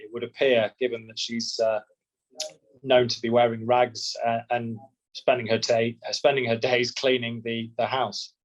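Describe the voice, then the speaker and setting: A man answering as a solicitor, measured and explanatory, often repeating words as he restarts. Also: mid-range voice, dull audio. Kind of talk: expert interview answers.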